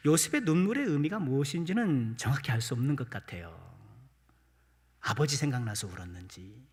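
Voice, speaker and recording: Male pastor, slightly higher voice, lively ups and downs, Sunday sermon, church reverb. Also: breathy edge. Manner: addresses the congregation with rhetorical questions, light self-deprecating humor. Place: church sanctuary. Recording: long church-hall reverb.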